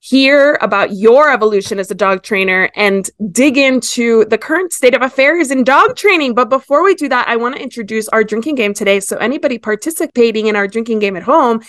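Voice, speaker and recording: Podcast host, woman, 30s, from Ecuador, chatty and bright, dry booth sound. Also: a little high, a little fast, few pauses, no room sound. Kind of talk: casual chat.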